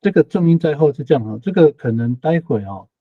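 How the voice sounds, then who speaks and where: A man talks through an online language lesson at an easy, patient teacher's pace, going back over each phrase and tagging his sentences with little particles. His voice is a touch husky, and the recording sounds dry and slightly dull, like lo-fi class audio. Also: fairly high pitch, lively intonation, quick pace, no echo. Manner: patient explaining, repeats phrases, frequent tag particles.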